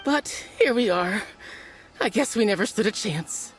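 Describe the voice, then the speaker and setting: Surly black-market dealer, animated delivery. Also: male voice, high-pitched, unhurried, soft background music. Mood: rattled, frank. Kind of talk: video game voice acting.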